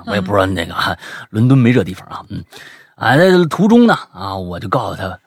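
A man telling a comic story, animated and exclamatory, peppering his speech with filler sounds. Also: deep voice, moderate pace, breathy edge, dry recording, studio quality. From Beijing.

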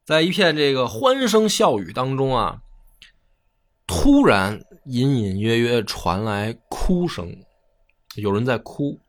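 Animated male storyteller. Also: mid-range voice, slow. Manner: colloquial, slangy, animated. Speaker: history storyteller. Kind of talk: casual storytelling chat.

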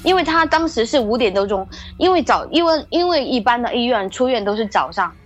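A woman's voice: fairly high pitch, expressive, a little fast, faint music behind. A woman casually telling a hospital ghost story in a rambling way, with many restarts and fillers. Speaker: guest storyteller.

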